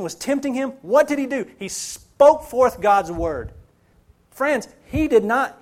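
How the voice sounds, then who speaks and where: A man preaching a sermon as pastor, building emphasis and repeating phrases for stress. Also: very high-pitched.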